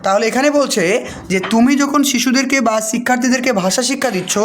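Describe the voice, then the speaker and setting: A man from West Bengal with a local accent, teaching an exam-prep lesson. He reads English quiz lines slowly, explains them patiently and keeps checking whether listeners have understood. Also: very high voice, a little hiss or hum. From West Bengal, India.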